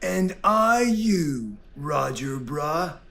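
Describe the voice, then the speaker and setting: A performer playing a pompous wasteland negotiator who talks in stiff formal phrases and shouts in a comedy sketch. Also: mid-range voice, very animated, extremely slow, gravelly, slight background noise, heavily acted. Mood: giddy. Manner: formal wording, shouts, turns giddy.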